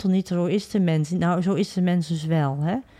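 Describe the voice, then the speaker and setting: A woman's dark, mellow tone, with ordinary pitch variation, comes through in a dry, close sound with no echo. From grew up abroad (Ghana, Singapore), then Netherlands. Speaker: military psychologist. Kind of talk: interview. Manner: halting, many fillers.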